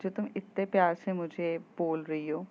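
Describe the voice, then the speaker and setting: A woman's voice: on the low side, steady tone, normal speed, close to an everyday voice. Vain picky young woman, haughty tone, a woman voicing her, muffled lo-fi audio. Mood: snooty. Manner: haughty, mixes in English.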